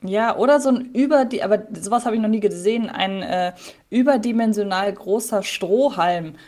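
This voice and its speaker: A woman's voice: mid-range voice, normal speed, darkish tone. Woman, podcast co-host, chatty recap with fillers, mid-range voice. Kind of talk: casual chat, recapping a radio-play episode.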